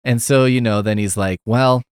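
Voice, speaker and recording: A middle-aged man with a low voice talks casually on a podcast, recorded dry and close with no room sound. He rambles through a story full of fillers and asides, sarcastic and quick to swear. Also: lively intonation, dry recording. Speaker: podcast host.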